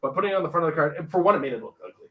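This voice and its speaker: A man's voice: a little high, lively intonation, very fast, phone-quality sound, noisy background. A man co-hosting a podcast, chatting casually and telling easygoing stories about gaming. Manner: easygoing storyteller. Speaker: podcast co-host. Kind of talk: casual chat.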